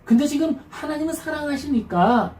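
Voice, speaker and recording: High-voiced woman preaching in a roomy hall. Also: moderate pace, distant mic, slight background noise. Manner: lively, acts out God's and listeners' voices in casual speech. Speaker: pastor. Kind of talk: sermon. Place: church hall.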